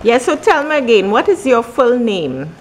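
A woman's voice: a little high, big pitch swings, moderate pace. A woman asking short, direct questions in a documentary interview.

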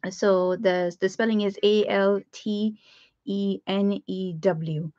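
A woman in her thirties from Pakistan with a Pakistani English accent, chatting warmly with live viewers as she hosts a craft lesson from her home studio, filling her talk with ums and quick laughs. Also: mid-range voice, steady tone, no echo. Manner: bubbly, greets viewers, frequent laughs and fillers. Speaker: art teacher hosting a live stream. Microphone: webcam at desk. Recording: dry, slightly dull webcam audio.

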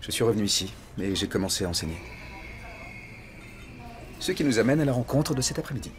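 A man's voice: lowish voice, lively intonation, fast, natural voice. An actor dubbing a courteous former army man in his thirties, now a driving instructor, talking in a polite, earnest way. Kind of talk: French dub of a TV film.

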